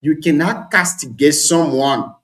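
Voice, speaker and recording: A man from Liberia, arguing politics as a panelist on a talk show, animated and argumentative, often repeating words as he starts a point. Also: a little high, measured pace.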